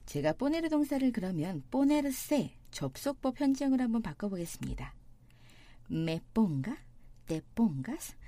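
Lively mellow-voiced woman teaching. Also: mid-range voice. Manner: slow deliberate example sentences, explanatory. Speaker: Spanish teacher. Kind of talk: language lesson narration.

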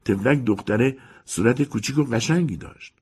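A man voicing a gossipy middle-aged landlady in an audiobook story, speaking in a flattering, conspiratorial way. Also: mid-range voice, slightly rough, voice pushed up.

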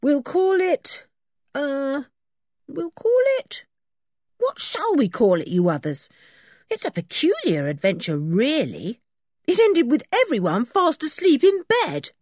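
Woman reading as an excited schoolboy, high, swooping, breathy. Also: slow pace, no room sound, studio quality, heavily acted. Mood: eager. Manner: bright, eager, lively storytelling. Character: eager schoolboy, cheerful and chatty.

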